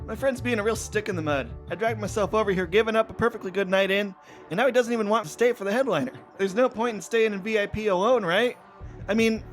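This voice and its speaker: A man voicing an eager, slightly anxious young concertgoer in a hobby audio drama, earnest and keen to feel important. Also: high voice.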